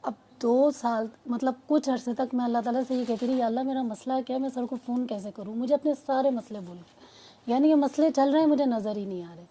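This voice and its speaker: A woman's voice: a little high, mellow. A woman, a mother of two, giving an earnest personal testimony that rambles and restarts. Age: adult mother. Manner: earnest, rambling storytelling with many restarts and quoted dialogue.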